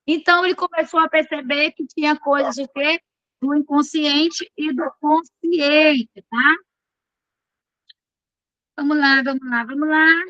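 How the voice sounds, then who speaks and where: Bright, high-voiced woman teaching. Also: fairly even intonation, unhurried, dry recording, lo-fi sound. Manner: chatty and informal, with frequent checks on the students. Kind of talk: online class lecture.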